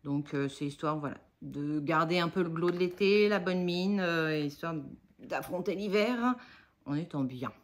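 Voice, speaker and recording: A woman's voice: sits low, lively intonation, measured pace. A woman in her forties chatting casually in a haul vlog, rambling and self-mocking, with many fillers. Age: 40s. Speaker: budget haul vlogger.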